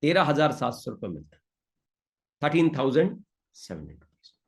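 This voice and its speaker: A man's voice: medium pitch, very animated, fairly quick, pitched below the performer's own voice. A man voicing a modest, poor petrol pump attendant in a meek tone. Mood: sheepish.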